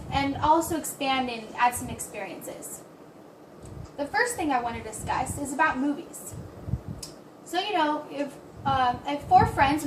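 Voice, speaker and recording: A woman voice-interpreting an informal presentation, speaking a little haltingly and rephrasing as she goes. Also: high voice. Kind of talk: spoken interpretation of a signed talk, informal presentation. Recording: roomy echo, distant mic, background hiss.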